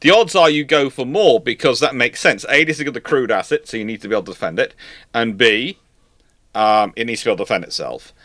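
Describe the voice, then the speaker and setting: This is a naval historian on a casual livestream, answering viewer questions in a rambling way and often repeating or rewording himself. His mid-range, slightly bright voice moves quickly. The recording is dry and studio quality.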